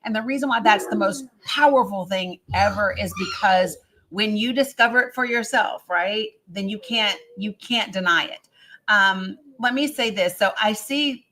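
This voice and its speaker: 50s woman hosting a live stream, bright voice, firm and earnest, um-heavy. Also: medium pitch. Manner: earnest and firm, many ums and restarts. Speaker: livestream host. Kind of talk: live-stream panel talk.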